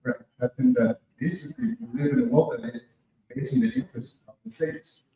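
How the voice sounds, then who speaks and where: A man's voice: high voice, sing-song, brisk, vocal fry, mellow. A young man makes an emphatic statement and question from the audience at a conference, listing points with repeated phrasing. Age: young adult. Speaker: audience member asking a question. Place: large indoor conference room. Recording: echoey hall, distant mic, faint noise.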